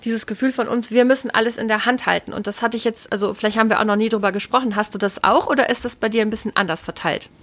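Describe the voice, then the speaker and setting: A woman's voice: a little high, fairly even intonation, fast talker, hardly any pauses, fairly bright tone. A woman co-hosting a casual podcast, talking reflectively and searching for her words. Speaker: podcast co-host. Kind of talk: casual chat.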